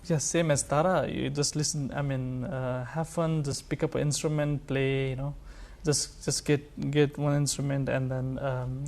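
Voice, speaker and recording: A man with a Nepali accent, a folk musician being interviewed, talking casually and haltingly with many filler phrases. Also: mid-range voice, level tone, gravelly, darkish tone. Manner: hesitant, halting delivery full of like and you know. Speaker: folk musician, sarangi player, guest; music educator.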